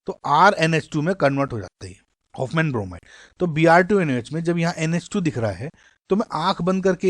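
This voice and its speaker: A man's voice: fairly high pitch, dry recording, studio quality. A man with an Indian accent explaining chemistry exam questions in a conversational way, often addressing the viewers as guys. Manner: conversational, mixes English terms, addresses "guys". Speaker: chemistry teacher.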